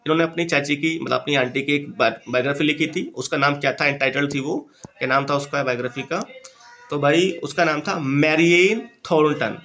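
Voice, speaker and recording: A young man giving a casual literature lecture for exam students. His voice sits slightly high and carries a gravelly rasp. He talks in an informal, chatty way and repeats key points for emphasis. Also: fairly bright tone. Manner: explains in Hindi, reads English titles slowly, repeats points; chatty and informal, keeps addressing listeners as "bhai" and "yaar". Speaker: exam-prep literature teacher. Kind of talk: casual lecture over slides.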